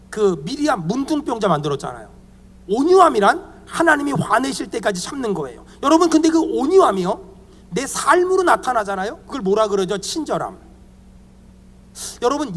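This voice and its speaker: Animated pastor in his fifties, echoing hall. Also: extremely high pitch, a little hiss or hum. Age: 50s. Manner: animated, humorous, leads the congregation in repeating phrases. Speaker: guest pastor. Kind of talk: sermon at a church retreat. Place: church meeting hall.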